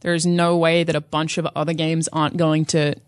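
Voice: medium pitch, little pitch movement, fairly quick, dry recording. A podcast panelist in a casual discussion about video games, talking in an enthusiastic, opinionated way.

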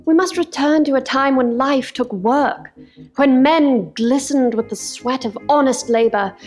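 A woman's voice: sits high, measured pace, darkish tone, faint music behind. An actress playing a fervent, idealistic woman revolutionary in a comedic radio play, making impassioned speeches. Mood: fervent, lusty.

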